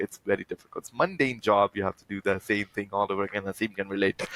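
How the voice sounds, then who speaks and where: A man with an Indian accent, fairly low in pitch, in a dry, close sound with no echo. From India, Bihar (Patna). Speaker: tech startup co-founder. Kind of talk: podcast interview.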